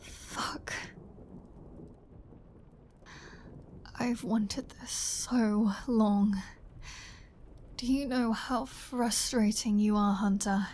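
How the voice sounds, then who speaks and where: Casting: flirty vampire huntress of humans woman performer, unhurried, breathy and half-whispered, teasing, in command, ASMR roleplay style. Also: a little high, steady tone, darkish tone. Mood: hungry, triumphant. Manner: teasing, breathy, slow, dominant. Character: flirty, predatory female vampire toying with a hunter. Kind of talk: intimate ASMR audio roleplay, often whispered.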